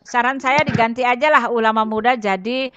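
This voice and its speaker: Chatty woman host, higher voice, dull lo-fi sound, people talking behind. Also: a little fast. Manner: chatty, animated, repeats herself. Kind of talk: casual video call chat. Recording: muffled lo-fi with crowd noise.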